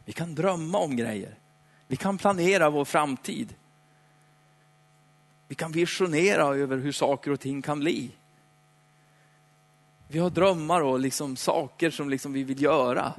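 A man preaching a sermon in a chatty, playful way, slowing down for dramatic emphasis. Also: on the high side. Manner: conversational, dramatic slowdowns, playful asides. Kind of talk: lively sermon. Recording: hall reverb.

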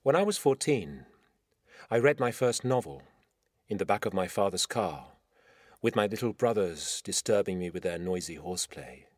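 Man, Iranian accent, middle-aged, low pitch, very animated intonation, measured literary reading. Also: no room sound, clean studio sound. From Iran. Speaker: writer reading own story. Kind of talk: scripted literary narration.

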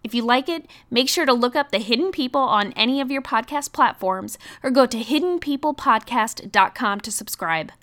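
Higher-voiced woman, scripted podcast announcement. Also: expressive, moderate pace, hardly any pauses, a bit bright. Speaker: cast member presenting a podcast.

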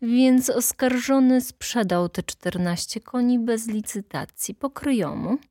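A woman voicing an elderly, kindly male court chairman who questions the accused slowly and reproachfully. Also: on the high side, dark tone, no room sound, voice pushed up, lightly acted. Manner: slow, drawn-out reproach.

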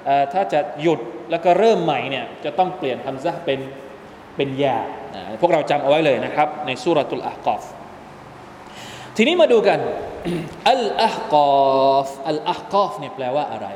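In a mosque hall, a Quran commentary teacher gives a religious lesson, explaining pronunciation step by step and quizzing his listeners. His voice is darkish and on the high side, brisk with lively intonation. The recording has a long, echoey reverb and faint background noise.

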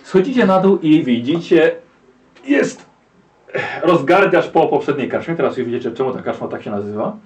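A man running a tabletop game as game master, narrating scenes in a lively way. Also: on the high side, moderate pace, distant mic, muffled recording. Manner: lively storytelling, laughs along.

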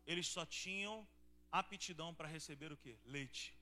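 A man's voice: a little high, moderate pace, pushed and bright, soft background music. A man pastor with a Brazilian Portuguese accent, preaching a sermon to a church congregation and asking them questions. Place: church service before a congregation.

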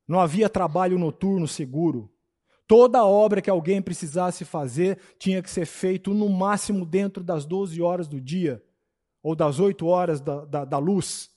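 A high-pitched man gives a classroom Bible lecture. He teaches in a preachy manner, often turning to the class to ask whether they follow and agree. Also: dark tone. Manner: preachy, addresses class with frequent checks for agreement.

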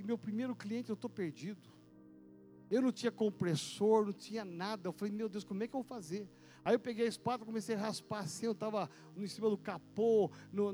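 A male pastor, telling a personal story in a sermon with vivid, animated delivery and sound effects. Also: sits high.

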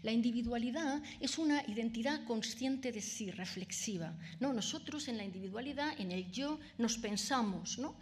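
A woman's voice: a little high, moderate pace, hardly any pauses. A woman with a Peninsular Spanish accent giving an academic lecture, explaining step by step and checking in with frequent tag questions and fillers. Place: lecture room with audience.

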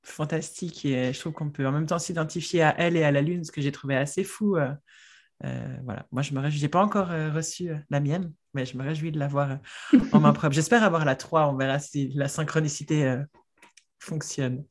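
A woman's voice: low voice, steady tone, a little fast. A woman co-hosting a casual podcast, effusive and hesitant, restarting her sentences often. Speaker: podcast co-host.

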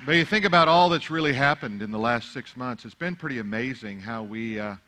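A man's voice: mid-range voice, fairly quick, bright, forceful tone. A middle-aged man whose first language is Arabic, preaching a sermon that moves from easy conversational remarks to fervent, rising exhortation. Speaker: pastor.

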